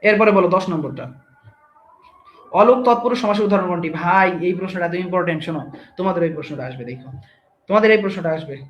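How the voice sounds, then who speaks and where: A man's voice: sits high, fast, reverberant, muffled recording, a little hiss or hum. A young man teaching an online grammar class, explaining step by step and quizzing his students.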